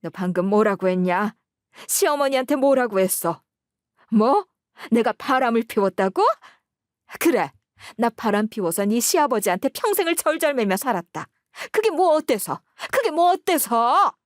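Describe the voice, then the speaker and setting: A woman voicing a spiteful older mother-in-law who scolds loudly and accuses. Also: expressive, normal speed, dry recording, clean studio sound, lightly acted. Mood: furious. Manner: shrill, accusing, loud scolding.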